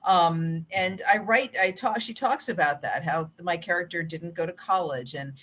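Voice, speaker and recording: A woman's voice: on the low side, moderate pace, fairly bright tone. A middle-aged or older American woman chatting casually as an interview guest, telling stories with frequent asides. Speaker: mystery author, guest. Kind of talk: casual interview chat about writing.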